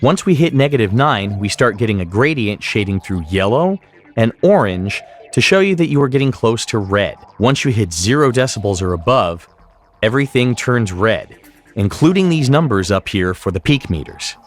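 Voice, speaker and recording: Male tutorial instructor, lowish register with animated intonation, measured scripted explanations. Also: faint music behind. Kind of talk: scripted software tutorial narration.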